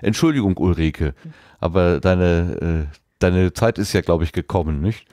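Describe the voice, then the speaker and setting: A man's voice: low-pitched, measured pace, dark tone, no echo, clean studio sound. A man casually moderating a podcast conversation as its host.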